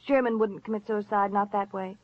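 A woman's voice: medium pitch, steady tone, brisk, slight background noise, lightly acted. An actress playing a cool, teasing sophisticated woman with a coy, languid manner, in 1940s radio acting. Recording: dull lo-fi old radio recording.

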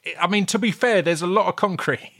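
A man's voice: high voice, fast, a bit bright. A man hosting a podcast, friendly and enthusiastic, stumbling into a few restarts. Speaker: podcast host. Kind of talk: casual podcast chat.

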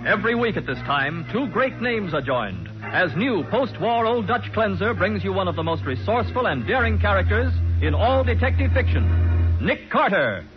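A man's voice: sits high, sing-song, normal speed. A man announcing a 1940s radio show in a dramatic, emphatic style. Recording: muffled old radio, loud organ music.

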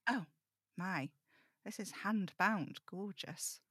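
A woman's voice: mid-range voice, expressive, slow, a bit bright, breathy edge, dry recording, studio quality, heavily acted. A woman playing a rambling, fretful young amateur occult investigator in an audio drama table read, chatty and self-interrupting, confiding in her listeners. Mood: curious, muttering.

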